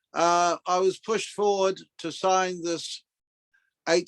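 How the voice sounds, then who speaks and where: Dry and close with no echo, a man with a New Zealand accent speaks at a very slow pace in a high pitch with monotone, flat intonation. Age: 60s. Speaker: Maori land claim signatory. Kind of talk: online radio chat.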